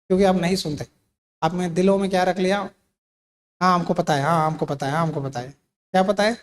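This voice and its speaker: A man preaching a sermon as pastor, emphatic, with sudden swings from loud to quiet and English words mixed in. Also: high-pitched. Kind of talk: Hindi sermon.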